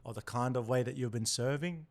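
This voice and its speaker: A man's voice: medium pitch, fairly quick, a little mellow. A man of Samoan heritage hosting a podcast interview. He affirms often and asks long, winding questions. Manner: affirming, frequent "yeah", rambling questions. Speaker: podcast host and church minister.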